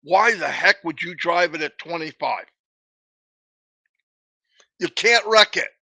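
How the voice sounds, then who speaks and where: A man's voice: a little high, lively intonation, slow pace, pushed and bright, no room sound. A man hosting a motivational livestream, emphatic and repetitive, with a runny nose and a cough. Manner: emphatic, repetitive, preachy pep talk. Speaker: livestream host.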